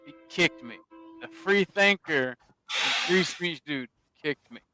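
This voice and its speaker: A man with a Southern US accent, hosting a stream and reacting to a clip with animated, profane, mocking commentary. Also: on the high side, slow pace, faint music behind. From American South. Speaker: streamer host.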